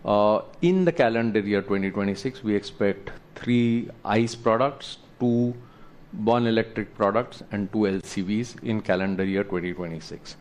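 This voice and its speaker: A man presents company results to investors as an executive, explaining slides in a measured, halting way. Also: fairly low pitch, darkish tone. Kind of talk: earnings presentation to investors, talking through slides.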